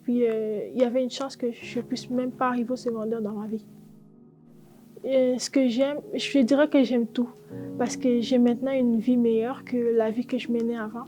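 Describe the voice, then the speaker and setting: A woman's voice: fairly high pitch, flat delivery, normal speed, mellow, faint music behind. An eighteen-year-old woman from Congo giving an earnest, grateful documentary testimony. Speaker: interviewee.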